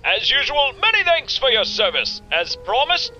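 Very high, squeaky little creature. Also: male voice, big pitch swings, moderate pace, bright, forceful tone, dull audio, soft background music, exaggerated voice. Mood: businesslike.

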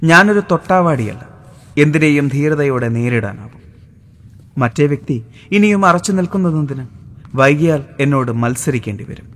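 Guy doing a polite earnest young american suitor, soft formal way of talking, storybook reading. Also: a little high, lively intonation, normal speed. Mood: tender.

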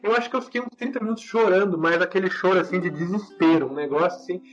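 High-voiced man telling an animated story. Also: fast, highs cut off, soft background music. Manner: animated, expressive, repetitive. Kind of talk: casual storytelling.

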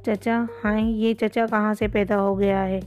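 A woman's voice: medium pitch, flat delivery, darkish tone, faint music behind, lightly acted. A woman voicing a lazy, simple-minded young man who is always hungry, in a storybook reading.

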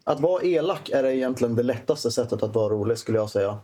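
A man speaking with deadpan calm, handing out absurd advice as if it were sincere. He talks at an ordinary pitch in a relaxed, conversational podcast manner. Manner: deadpan, mock-serious advice. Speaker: comedian guest. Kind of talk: podcast chat.

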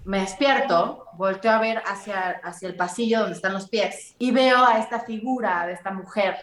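A woman with a Mexican accent telling a story in casual chat, animated and vivid. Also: medium pitch, moderate pace. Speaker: podcast guest. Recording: roomy echo.

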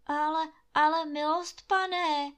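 A woman's voice: sits high, fairly bright tone, pitched above the performer's own voice. A woman voicing an old male gamekeeper who pleads anxiously in a storybook reading. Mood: fearful.

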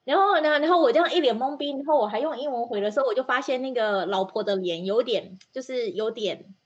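A woman from Taiwan with a Taiwanese accent, chatting casually and telling stories in an animated way. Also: fairly high pitch, fast, breathy edge, muffled recording. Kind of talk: casual group chat.

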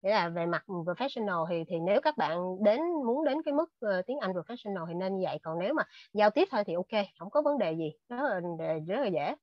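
A woman's voice: mid-range voice, animated, fairly quick, hardly any pauses, no echo. A woman shares advice earnestly on a video call, restarting her sentences often. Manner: earnest, with many fillers and restarts. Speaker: invited speaker. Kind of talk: casual talk on a video call. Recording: dull lo-fi video call audio.

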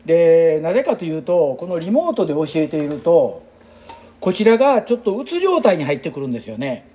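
A man's voice: fairly high pitch, very animated, a little fast, dark tone. A man in his sixties with a Kansai accent, an exercise instructor talking in a rambling, chatty and reflective casual monologue. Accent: Kansai Japanese. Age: 60s.

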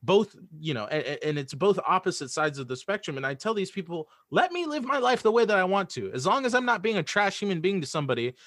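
A man's voice: sits high, big pitch swings, fast, hardly any pauses, a bit bright, dry recording. Earnest man talking in a close, dry space. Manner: earnest, emphatic, repeats himself. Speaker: podcast guest, audio drama creator. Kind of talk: casual opinionated conversation.

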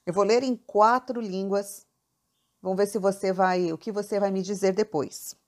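A woman's voice: medium pitch, steady tone, moderate pace, darkish tone. Chatty woman hosting a podcast. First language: Portuguese. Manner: chatty, addresses the listener directly. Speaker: podcast host. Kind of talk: casual language-learning podcast talk.

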